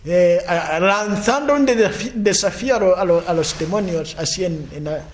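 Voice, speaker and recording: A man from Africa preaching a sermon, speaking in halting phrases, restarting and repeating words, often checking in with his listeners. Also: slight background noise. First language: a language of his homeland. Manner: chanting repeated proclamations with rising pitch.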